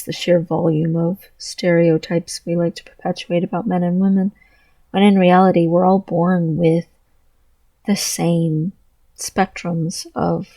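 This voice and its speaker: A trans man talking through his thoughts in a personal vlog, halting and earnest, with a voice he describes as deeper than most girls'. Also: dark tone, no echo, low-quality recording. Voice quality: low voice with gravelly fry. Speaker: vlogger.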